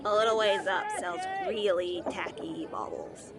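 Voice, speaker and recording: A woman's voice: fairly low pitch, a little slow, background noise. A woman voicing a chatty, noncommittal alien market vendor in an audio drama. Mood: offhand, helpful. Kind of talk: scripted audio drama acting. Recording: loud busy outdoor market crowd.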